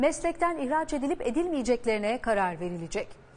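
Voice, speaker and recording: At a fairly quick pace, a woman's voice moves through very wide pitch swings. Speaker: news anchor. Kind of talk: news reading. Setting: studio. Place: studio. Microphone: lapel.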